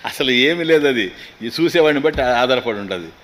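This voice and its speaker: A man giving a scriptural discourse as a swami. He chants Sanskrit lines slowly, then explains them quickly with humor. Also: medium pitch, lively intonation, a bit bright.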